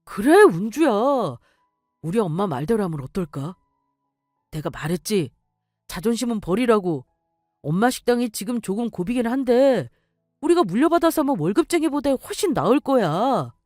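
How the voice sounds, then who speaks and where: A woman's voice: on the high side, big pitch swings, moderate pace, a little mellow, no echo, clean studio sound, faint music behind. A woman voicing a young man who pushes his girlfriend to give in to his mother. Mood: pushy. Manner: pleading, pushy.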